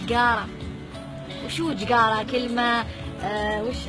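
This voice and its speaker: A woman speaks in a fairly high voice. She is a casual quiz guest who answers in short questioning guesses, with music clearly audible behind her. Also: fairly even intonation, normal speed. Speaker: guest guessing the meanings of words. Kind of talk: casual chat. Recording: music in the background.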